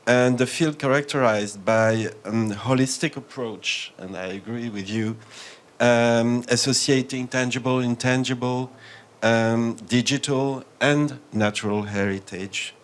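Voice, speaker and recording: A man with a strong French accent giving a measured, formal conference talk with frequent hesitations. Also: medium pitch. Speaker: panel speaker.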